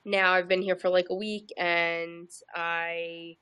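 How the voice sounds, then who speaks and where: Woman guest on a video call, slightly low voice, lots of ums, kinda nervous. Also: little pitch movement, slow, smooth, no room sound, muffled recording. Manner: hesitant, many ums, nervous laughs. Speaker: guest caller.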